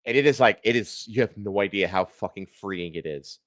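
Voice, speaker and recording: A man's voice: on the low side, a little fast, fairly bright tone, no echo, studio quality. A man hosting a livestream, ranting casually with emphatic, repetitive, profane talk. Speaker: livestream host.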